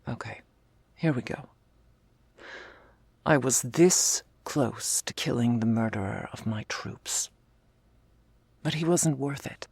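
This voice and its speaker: A woman voicing a tough but secretly tender female half-orc commander in a slow, confessional ASMR role-play, with a husky, gravelly, breathy voice. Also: a bass voice, no room sound, heavily acted. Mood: tender, reflective. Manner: slow confessional delivery, often dropping in a soft voice.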